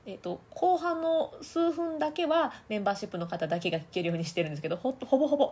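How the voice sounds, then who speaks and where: Lively breathy woman podcaster. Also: high voice, racing. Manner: chatty, laughs often, demonstrates voice placements. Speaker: voice trainer and podcast host. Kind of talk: casual audio podcast talk.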